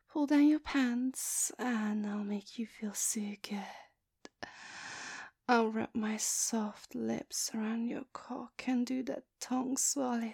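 Young woman for intimate audio roleplay: airy high voice, unhurried, hushed and pleading. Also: dry recording, studio quality. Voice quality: breathy. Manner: soft whispery pleading.

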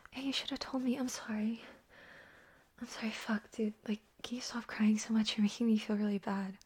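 A young woman performing a whispered audio roleplay, voicing an anxious, apologetic young woman who soothes a crying partner in hushed, repetitive murmurs. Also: a little high, fairly even intonation, brisk, slightly rough. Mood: hushed, soothing.

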